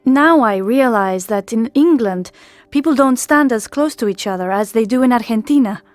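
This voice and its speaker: A woman's voice: fairly high pitch, expressive, moderate pace, dry recording, faint music behind. A woman reading a scripted anecdote for an English listening exercise in a plain, friendly way. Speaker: textbook audio speaker.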